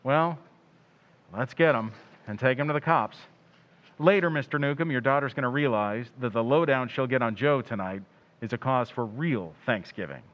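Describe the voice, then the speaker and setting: An actor playing a sharp, confident crime photographer sleuth in slangy, hard-boiled 1940s radio drama style. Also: male voice, medium pitch, moderate pace, dull audio, natural voice. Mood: brisk, wry.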